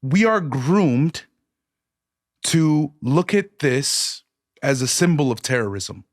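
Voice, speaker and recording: A man's voice: a little high, expressive, no room sound, clean studio sound. A man from the United States, speaking passionately as a guest musician in a casual podcast conversation and stressing his key points. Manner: passionate, drawn-out emphasis, says "dog" and "man".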